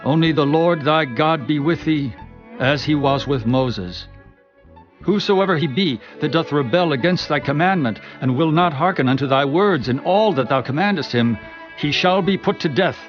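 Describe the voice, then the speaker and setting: Loyal ancient follower, male actor, fervent, fairly high voice, faint music underneath, scripture drama. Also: normal speed, close to an everyday voice. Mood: earnest, loyal. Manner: earnest, declamatory. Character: loyal, fervent Israelite man pledging obedience. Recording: dull, muffled audio.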